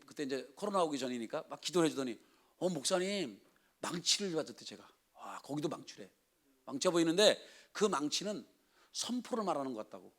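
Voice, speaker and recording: A middle-aged man, a guest pastor, preaching a lively, humorous storytelling sermon that he often breaks with laughter. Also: high-pitched. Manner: chatty and humorous, laughs often, acts out prayers and declarations.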